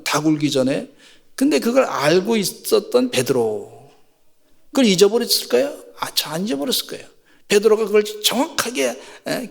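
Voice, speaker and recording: A middle-aged male pastor delivers a sermon, his slightly high voice carrying a gravelly edge. He moves between folksy storytelling and fervent exhortation. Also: in a large hall.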